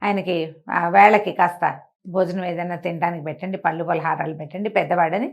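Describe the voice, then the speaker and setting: A woman storyteller acts out a young disciple in a storybook tale. He is respectful and worried, speaking in a soft, hushed, earnest plea. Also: lowish voice, fairly even intonation, a little fast, vocal fry. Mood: pleading.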